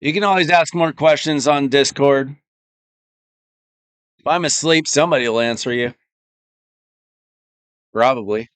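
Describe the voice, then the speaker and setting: A man live-streaming a game, thinking aloud in a relaxed, casual way while his voice is going. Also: mid-range voice, measured pace, long pauses, clear, resonant tone, no echo. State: losing his voice.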